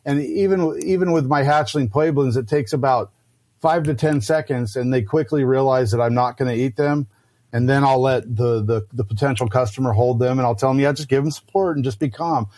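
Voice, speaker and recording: A man chatting as a podcast guest, telling stories with quick acted-out voices for the people he describes. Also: medium pitch, dry recording. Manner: lively storyteller who acts out snakes and customers in quick voices. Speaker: guest snake breeder. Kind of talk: casual podcast chat.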